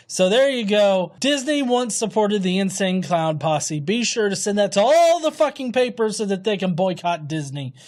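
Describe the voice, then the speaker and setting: Brief: young male host, profane comedic commentary, animated swooping intonation. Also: high voice. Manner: profane, sarcastic, mocks commenters in silly voices. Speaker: YouTube host reading comments.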